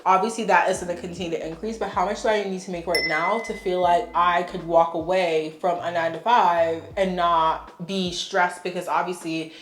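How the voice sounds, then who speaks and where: A woman's voice: on the low side, fairly even intonation, normal speed, hardly any pauses. A young woman vlogger chatting casually and frankly while doing her makeup, sounding congested and laughing often. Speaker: beauty vlogger. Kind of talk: casual get-ready-with-me chat. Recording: echoey room.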